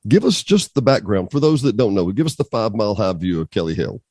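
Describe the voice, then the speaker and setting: A man hosting a local radio show, talking in a lively, conversational way as he introduces songs and guests. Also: fairly low pitch, fast talker.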